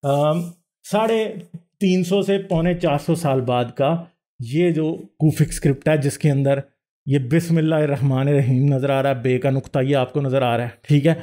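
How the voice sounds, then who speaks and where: Man, livestream host, high voice, soft dark tone, lecturing over slides, rhetorical questions, self-correcting. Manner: explanatory, asks the audience rhetorical questions; mixes English words into speech, self-corrects.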